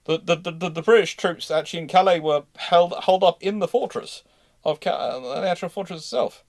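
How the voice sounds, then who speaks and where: A man's voice: high-pitched, brisk, no room sound, clean studio sound. A man hosting a live history question-and-answer discussion, rambling and often restating himself mid-sentence. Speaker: host of a live naval history Q&A.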